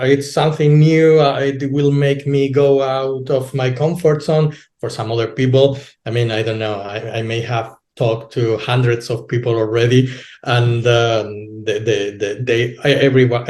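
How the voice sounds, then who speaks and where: A man's voice: mid-range voice, a little mellow. Male guest, hesitant with frequent restarts, recorded in a roomy space. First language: Spanish. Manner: halting, many repeated words and restarts. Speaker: guest, localization business owner. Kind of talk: casual interview talk. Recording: roomy echo.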